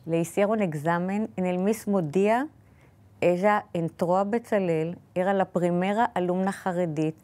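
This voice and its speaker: A woman's voice: lowish voice, dark tone. Israeli woman telling family stories. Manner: careful, slightly halting non-native Spanish. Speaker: guest. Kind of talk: interview storytelling.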